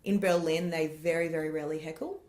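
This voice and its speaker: A woman's voice: sits low, fairly even intonation, quick pace, a little mellow. An Australian woman in her thirties, a comedian chatting as a podcast guest, rambling with lots of laughter. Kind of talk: casual interview chat.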